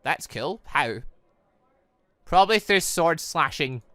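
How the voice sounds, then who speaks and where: A man giving casual, animated let's-play commentary on a visual novel, reacting and interjecting as he goes. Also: a little high, slow pace, no room sound. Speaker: gaming channel host.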